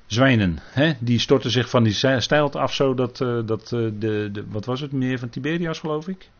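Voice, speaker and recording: A man preaches on a Bible passage in a steady mid-pitched voice. He talks earnestly and carefully, tagging many sentences with little questions to the listeners. The recording sounds dull and lo-fi. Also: normal speed. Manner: frequent tag questions, earnest and cautious. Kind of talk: Bible teaching sermon.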